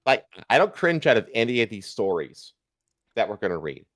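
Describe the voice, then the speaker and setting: A man with a fairly low voice, recorded dry and close to the ear. He rants casually like a livestream host, swearing often and repeating himself for emphasis. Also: big pitch swings, brisk, fairly bright tone, dry recording. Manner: profane, emphatic, repetitive. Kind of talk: casual ranting chat.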